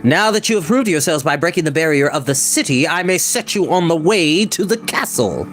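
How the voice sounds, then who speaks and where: Storyteller voicing a soft, enigmatic male guide. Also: medium pitch, lively intonation, soft background music, natural voice. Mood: warm, wise. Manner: warm, measured, mysterious. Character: Gwion, warm, enigmatic male guide in a fantasy tale.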